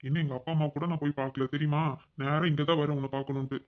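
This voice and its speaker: A man's voice: fairly high pitch, level tone, very fast, phone-quality sound, natural voice. A man voicing a young husband back from abroad in a cartoon, tenderly soothing his tearful wife. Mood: doting, soothing. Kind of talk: cartoon voice acting.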